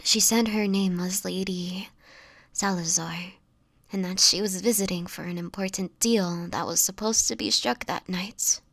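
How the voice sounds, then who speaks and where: A frail, haunted vampire woman voiced by an actress speaks close and dry, in a breathy near-whisper. She is fearful and sorrowful, halting often as she confides in an audio drama. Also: medium pitch, fairly even intonation, fairly bright tone, dry recording. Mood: somber recounting. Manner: halting, hesitant storytelling with pauses. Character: sickly, fearful homeless young vampire woman, sorrowful and hesitant. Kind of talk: intimate dramatic audio roleplay monologue.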